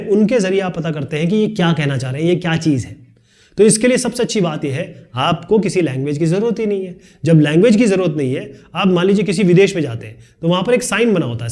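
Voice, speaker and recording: A man teaching a video lesson, explaining quickly and chattily with joking asides. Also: high-pitched, darkish tone. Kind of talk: fast classroom video lesson.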